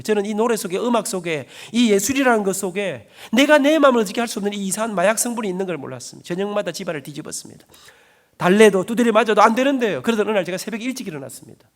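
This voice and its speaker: A man's voice: sits high, a bit bright. A middle-aged man, a church elder, telling his life story in a dramatic, emotional sermon testimony in a church.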